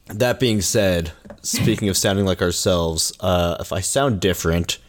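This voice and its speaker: A man co-hosting a podcast in casual chat, hoarse from bronchitis, rambling and correcting himself as he goes. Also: deep voice, a little slow. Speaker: podcast co-host.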